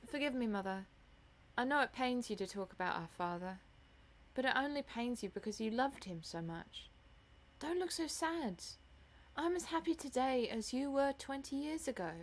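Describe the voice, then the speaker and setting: A woman's voice: sits high, lively intonation, moderate pace, voice pushed up. A woman voicing an ardent, dreamy young actress in love in an audiobook, with gushing exclamations. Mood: pleading. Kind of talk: audiobook character voice.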